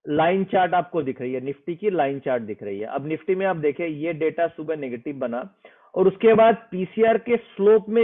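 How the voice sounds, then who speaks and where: Man, trading explainer, interview, earnest, persuasive, mixes English phrases, slightly high voice, tinny phone-like audio. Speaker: trading expert explaining a method.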